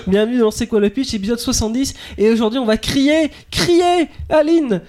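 A man hosting a podcast about screenwriting, brisk and joking as he introduces the episode and leads the chat. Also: very high voice, darkish tone. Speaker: podcast host.

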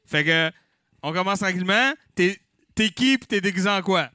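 A man's voice: high-pitched, moderate pace, bright, forceful tone, smooth, no echo, studio quality. A man with a Québécois accent hosting a live comedy night, joking and swearing loosely with the crowd. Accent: Québécois French. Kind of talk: improvised stand-up hosting with mock auction. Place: live venue with audience.

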